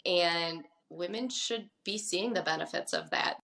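A woman in her thirties speaks in an interview about her diagnosis. She talks in a brisk, firm way. Her voice sits slightly low. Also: gravelly, fairly bright tone. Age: 30s. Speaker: patient interviewee. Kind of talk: interview testimony.

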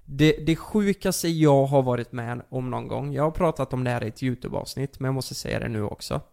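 A man's voice: mid-range voice, vocal fry, darkish tone. A young man telling a personal story in a casual chat, rambling with lots of fillers and restarts.

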